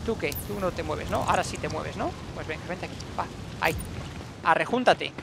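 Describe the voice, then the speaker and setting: A young man with a Castilian Spanish accent giving casual, animated, exclamatory gameplay commentary. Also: a little high, a little fast, gravelly, background noise. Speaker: gaming video host. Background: game music and sound effects.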